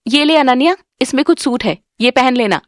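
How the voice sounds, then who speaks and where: Cartoon villain: a woman plays a harsh scolding stepmother, lively high voice. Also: moderate pace, dry recording, studio quality. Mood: threatening. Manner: scolding, sneering. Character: harsh cruel middle-aged stepmother. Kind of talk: animated storybook voice acting.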